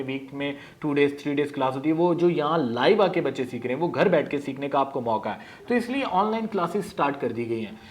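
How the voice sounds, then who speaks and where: A man with a Pakistani Urdu accent, an acting teacher talking casually and quickly to camera, mixing in English words. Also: a little high. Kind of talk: casual promotional talk to camera.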